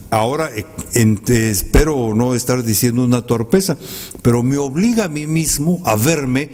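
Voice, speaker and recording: A man whose first language is a Mayan language, giving a thoughtful talk to an audience in a library as a guest poet. He speaks in a measured way, with polite asides and some hesitant pauses. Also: fairly high pitch, darkish tone, breathy edge. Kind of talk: reflective commented poetry talk. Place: public library hall. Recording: reverberant hall sound.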